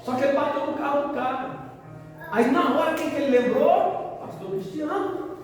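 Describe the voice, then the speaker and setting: High-voiced Brazilian pastor in an echoey hall. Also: male voice, normal speed. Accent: Brazilian Portuguese. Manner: animated, acts out dialogue in his story. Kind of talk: storytelling sermon. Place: large church hall. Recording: echoey church hall from far off, music behind.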